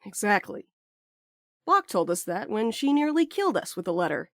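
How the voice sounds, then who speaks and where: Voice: mid-range voice, sing-song, normal speed, fairly bright tone, dry recording, clean studio sound. A performer playing a sardonic, stubborn young postmaster who deflects with casual jokes in an audio drama. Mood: stubborn, wry. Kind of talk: naturalistic audio drama acting.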